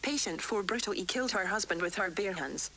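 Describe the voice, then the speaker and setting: A woman playing a worried, defiant doctor dictating formal, measured research logs for an analog horror tape series, recorded on vintage cassette. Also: mid-range voice, animated, pushed and bright, a little hiss or hum. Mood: grave, concerned. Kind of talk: analog horror tape log, scripted report.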